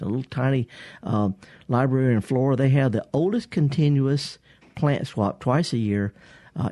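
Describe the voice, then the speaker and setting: A man hosting a gardening call-in radio show, his voice husky from pollen, folksy and rambling. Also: medium pitch, warm tone, no echo. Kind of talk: casual radio call-in talk. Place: radio studio. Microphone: studio microphone.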